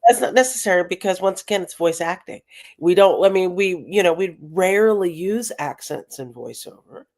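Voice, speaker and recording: A woman talent agent giving emphatic advice as an interview guest over a video call, with quick restarts as she explains. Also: on the low side, lively intonation, darkish tone.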